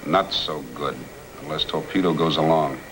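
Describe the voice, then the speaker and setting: A man's voice: a bass voice, moderate pace. A male actor playing a cool, guarded, clever convict with terse delivery in a 1950s screen drama. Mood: firm. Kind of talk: 1950s black-and-white screen drama acting. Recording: noisy old film soundtrack.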